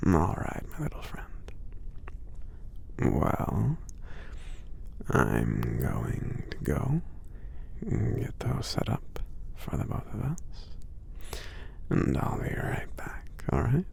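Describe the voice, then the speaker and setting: A very low, heavily creaking voice of a kindly giant acted by a man in an ASMR roleplay. He murmurs very slowly and hesitantly, breathy and close to a whisper, with shy, polite gentleness. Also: huge pitch swings, heavily acted. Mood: affectionate, cozy. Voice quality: breathy, husky. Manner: hesitant, murmuring, halting with many soft pauses. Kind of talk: ASMR roleplay, soft talking.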